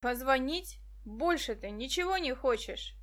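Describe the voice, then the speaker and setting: Woman playing a pompous male cop, mocking, bossy, high voice, audiobook. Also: lively intonation, a little slow, fairly bright tone.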